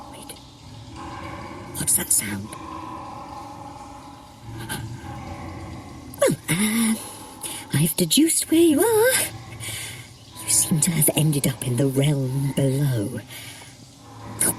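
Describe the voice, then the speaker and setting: A woman's voice: fairly low pitch, noisy background, full character voice. A woman playing a haughty, sardonic trickster god in an audio adventure, theatrical and condescending, with flustered hesitations. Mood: uneasy, hushed. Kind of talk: scripted audio adventure acting.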